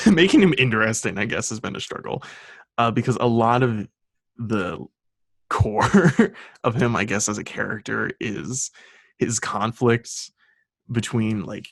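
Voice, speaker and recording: A man's voice: on the low side, a little slow, gravelly, a bit bright, no echo. A young man co-hosting a podcast, chatting casually in a rambling way with lots of fillers. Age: young adult. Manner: rambling with many fillers and laughs. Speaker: podcast co-host.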